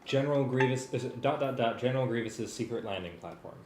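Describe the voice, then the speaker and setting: A man's voice: medium pitch, fast talker, a little mellow. A man thinking aloud hesitantly in casual working talk, as a music arranger sorting out cues. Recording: echoey room, some background noise.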